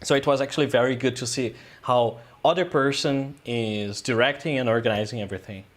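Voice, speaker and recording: Man, guest filmmaker, casual interview, rambling storytelling, mid pitch. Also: brisk. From Brazil. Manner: loose, rambling storytelling with frequent "uh" and "um".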